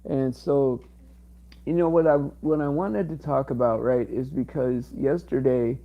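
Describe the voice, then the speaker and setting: A man's voice: mid-range voice, steady tone, phone-quality sound. Man with a strained, cracking voice. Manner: rambling, halting, heavy with fillers. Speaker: livestream host. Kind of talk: casual livestream chat.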